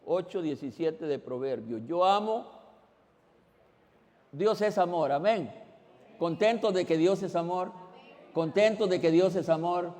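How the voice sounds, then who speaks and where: A man preaching a sermon as pastor. He questions the congregation directly and swings between loud exclamations and quiet asides. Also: high-pitched, unhurried, long pauses. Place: church. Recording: long reverb in a church hall.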